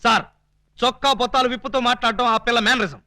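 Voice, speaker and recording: An actor playing a comic, flustered male police officer who fires off quick denials and wordplay. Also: very high voice, pushed and bright, no room sound, clean studio sound. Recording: film soundtrack with music behind.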